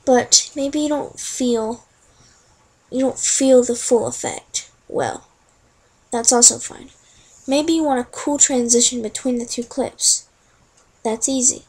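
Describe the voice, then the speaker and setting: Young woman, breathy and fairly high, casual screen-recording tutorial, talks through her clicks. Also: fairly even intonation, takes it slowly, pauses often, darkish tone, low-quality recording. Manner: chatty, talks through each click as she goes. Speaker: tutorial narrator.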